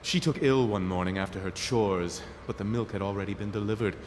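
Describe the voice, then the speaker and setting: An actor playing a gruff, gossipy household worker in a video game, heard at a distance. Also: male voice, lowish voice, brisk, background noise, natural voice. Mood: grim. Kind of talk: scripted video game dialogue.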